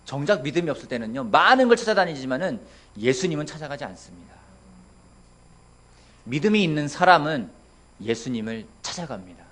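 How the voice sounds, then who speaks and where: A man's voice: a little high, sing-song, fairly quick, pauses often, a bit bright. A man in his thirties, a pastor preaching a sermon in a church, asking his congregation questions and acting out quotes playfully. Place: church sanctuary.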